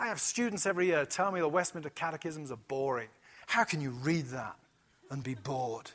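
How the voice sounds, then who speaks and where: A man with a British accent, fairly quick pace and lively intonation. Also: fairly high pitch for a man. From Britain. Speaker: seminary academic dean and preacher. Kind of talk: lecture. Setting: church with audience.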